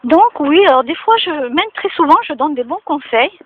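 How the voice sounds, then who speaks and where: A woman's voice: sits high, lively intonation, moderate pace. A woman vlogging casually to camera, chatting and moralizing with many fillers, recorded outdoors near her home. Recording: tinny phone-like sound with faint noise.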